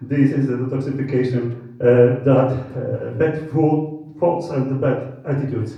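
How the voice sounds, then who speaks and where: A man with a Polish accent speaks at a fairly high pitch. The room echo is audible. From Poland. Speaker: doctor and naturopath. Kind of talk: lecture. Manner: halting.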